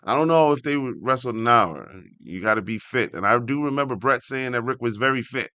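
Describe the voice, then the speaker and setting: A man hosting a casual read-along, reading an article aloud and breaking in with animated asides of his own. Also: medium pitch, fairly quick, no echo, highs cut off. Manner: animated asides, interrupts himself while reading. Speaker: host reading a wrestling article aloud with commentary.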